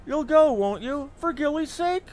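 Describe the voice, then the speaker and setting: An excitable young engineer from a fantasy game, acted out by a man, pitched high with lively swings. He is earnest, sentimental and determined, pleading his case dramatically. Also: measured pace. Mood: eager, pleading. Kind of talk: reading game dialogue aloud in character.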